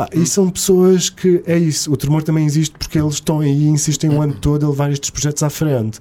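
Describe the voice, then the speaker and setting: Speaking at a very fast pace with hardly any pauses, a man uses a fairly high pitch and a dark, mellow tone. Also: fairly even intonation. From Azores, São Miguel (Ponta Delgada). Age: 30s. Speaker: festival co-director and dance artist. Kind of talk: casual chat. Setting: studio.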